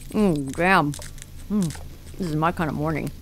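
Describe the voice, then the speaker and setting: A woman's voice: low voice, measured pace, a little hiss or hum. A woman acting in an audio drama as a down-to-earth starship medic with a casual, sardonic manner. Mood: delighted.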